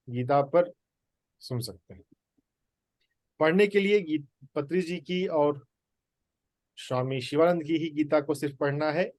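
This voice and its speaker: A man teaching the Gita in a spoken talk, slow and deliberate with emphatic pauses. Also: fairly high pitch, darkish tone, dry recording, clean studio sound.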